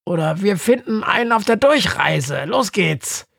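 A man's voice: sits high, expressive, measured pace, gravelly, fairly bright tone, husky, no echo, studio quality, pitched above the performer's own voice, heavily acted. A man voicing a small winged male creature who talks in an eager, pushy way.

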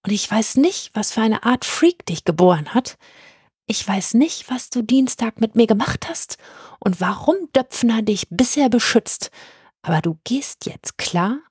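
A woman's voice: medium pitch, big pitch swings, a little slow, darkish tone, husky, no echo, studio quality, voice pushed up, heavily acted. A woman voicing an arrogant aristocratic teenage boy who hisses half-whispered threats. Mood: menacing.

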